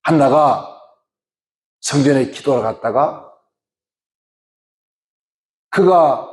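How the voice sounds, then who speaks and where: A man's voice: medium pitch, takes it slowly, darkish tone. A male pastor preaching a sermon, often questioning the congregation. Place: church. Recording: echoey church hall.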